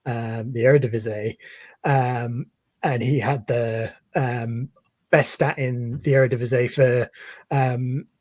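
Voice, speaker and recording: A man with a faintly husky voice, recorded close and dry. He talks football in a measured, thoughtful way, stopping often with ums and uhs as he lines up his points. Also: medium pitch, fairly even intonation, darkish tone, no echo. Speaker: guest, football fan page creator. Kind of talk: casual interview chat.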